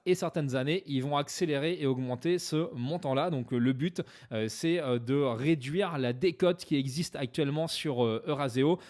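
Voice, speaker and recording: A man's voice: fairly high pitch, darkish tone. Chatty French man explaining stocks. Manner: conversational, many "euh" fillers; jokes about his own English accent. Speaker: finance YouTuber. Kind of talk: explaining stock investments to viewers.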